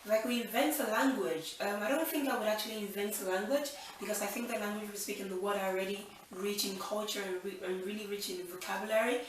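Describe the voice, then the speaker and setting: A woman's voice: mid-range voice, steady tone, fast talker, hardly any pauses, very echoey, recorded from a distance, slight background noise, poor audio. A woman in her twenties from Nigeria hosting a casual Q&A vlog, chatty and upbeat, thinking aloud with fillers. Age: 20s. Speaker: channel host.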